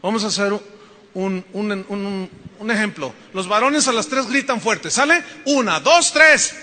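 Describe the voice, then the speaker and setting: A man with a Mexican accent preaching a sermon as pastor, animated, joking and emphatic. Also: high-pitched, moderate pace, big-room sound, background noise. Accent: Mexican Spanish.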